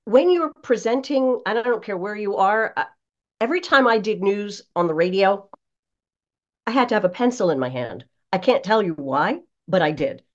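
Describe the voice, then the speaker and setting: Expressive woman coach, slightly dull audio. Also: mid-range voice, normal speed. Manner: animated, expressive. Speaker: voice coach, guest. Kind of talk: conversational interview with practical tips.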